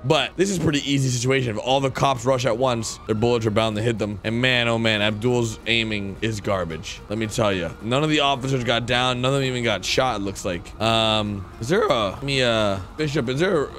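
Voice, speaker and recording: A young American man giving casual, animated, slangy commentary on a roleplay game, speaking close to a mic indoors. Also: mid-range voice, brisk, few pauses, soft background music. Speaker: gaming video creator playing a police officer. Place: indoor room at a gaming setup.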